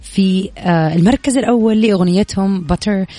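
A woman's voice: mid-range voice, fairly quick, dark tone, no room sound. A woman hosting a music chart show like a late-night radio DJ, chatty and informal, dropping English words into her talk. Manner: mixes English words and phrases into speech.

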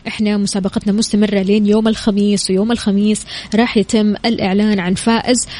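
A woman presenting a morning radio show in an upbeat, expressive, chatty way, talking straight to listeners. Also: medium pitch, quick pace. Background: music bed under the voice.

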